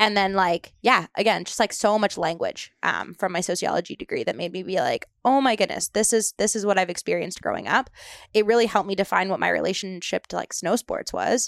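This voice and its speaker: A woman's medium-pitched voice with vocal fry, fairly quick and with hardly any pauses, and ordinary pitch variation. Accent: Canadian. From Vancouver, Canada. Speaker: diversity and inclusion advocate. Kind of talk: casual chat. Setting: outdoors under a rain shelter.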